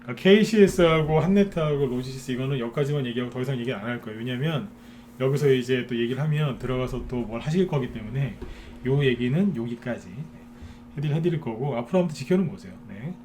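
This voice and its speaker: A man's voice: mid-range voice, quick pace, darkish tone, a little hiss or hum. A man giving a live stock market lecture to viewers, talking in a chatty way and often checking in with them through short tag questions.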